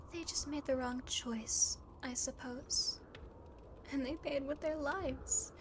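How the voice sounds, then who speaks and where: A woman's voice: on the high side, noisy background. A woman voicing a lonely, possessive demon girl in an ASMR roleplay, often dropping into a whisper, coaxing and condescending as she speaks to the listener. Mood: smug, condescending. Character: lonely possessive demon girl, coolly teasing, faintly menacing.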